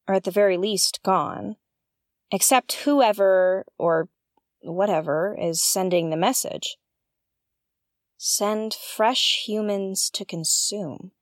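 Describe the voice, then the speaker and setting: An actress playing an earnest woman investigator who narrates her space mystery show in an articulate, musing, theatrical way with dramatic pauses. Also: medium pitch, no room sound, studio quality, natural voice. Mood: musing, troubled. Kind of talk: audio drama narration, like a spoken field log.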